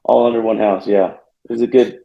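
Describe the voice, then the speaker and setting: A young man from Northern California, a college football player answering interview questions, soft-spoken and hesitant with many fillers. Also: fairly low pitch, steady tone, a little fast, vocal fry. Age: young adult. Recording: echoey, muffled remote call line.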